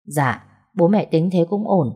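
Woman narrator doing a kind, joking young man, low mellow voice. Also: animated, a little slow, breathy edge. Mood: polite. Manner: joking, polite to parents. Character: young man, cheeky and caring.

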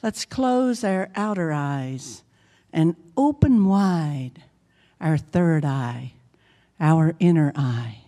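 A woman minister leading a guided meditation in a hushed, soothing, deliberate way, leaving long pauses between short phrases. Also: sits low, expressive. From United States. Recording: long reverb, music behind. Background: instrumental meditation music.

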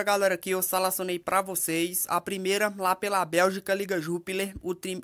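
A man with a Brazilian accent giving football betting tips in a casual voice-over. He lists odds and picks one by one, often checking in with the listener through tag questions. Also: high voice. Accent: Brazilian Portuguese. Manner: ends phrases with tag questions to the audience; steady, methodical listing of odds and picks.

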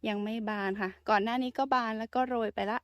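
Soft-spoken woman touring her garden. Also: a little high, steady tone, fast, clean tone, dry recording, studio quality. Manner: chatty, soft-spoken, polite with frequent particles. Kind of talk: casual garden tour vlog. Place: outdoor home garden.

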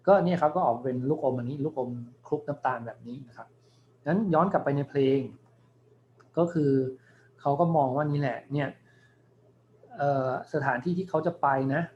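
A male university lecturer giving a recorded class, explaining patiently and reading English words slowly for his students. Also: on the high side, lo-fi sound, a little hiss or hum. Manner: explains patiently, thinking aloud with many polite particles.

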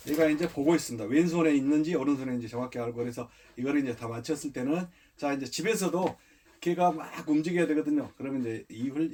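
A man working as a dog trainer, demonstrating training, who mixes short firm commands with calm explanations indoors. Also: fairly high pitch. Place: indoors, a room.

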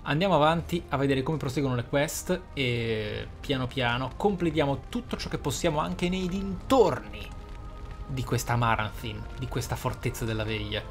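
A man's voice: mid-range voice, moderate pace, music in the background. A man giving reflective, emphatic let's play commentary as a gaming host.

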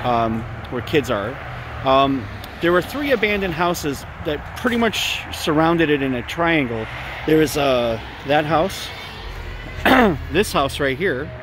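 Rambling man filming a street walk. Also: medium pitch. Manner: rambling, many ums and restarts. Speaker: local vlogger reporting on abandoned houses. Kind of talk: casual walking vlog. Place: outdoors on a winter city street. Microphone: handheld phone camera. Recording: faint street noise outdoors.

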